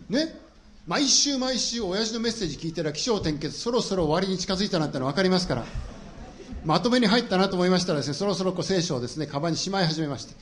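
A man's voice: high-pitched, fairly bright tone, slight background noise. A middle-aged man preaching a sermon, telling humorous stories about himself to the congregation. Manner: humorous personal storytelling to a congregation. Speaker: pastor.

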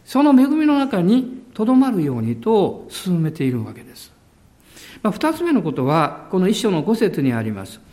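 A male pastor preaching a sermon with emphasis, drawing out key words slowly. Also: high-pitched, huge pitch swings, warm tone.

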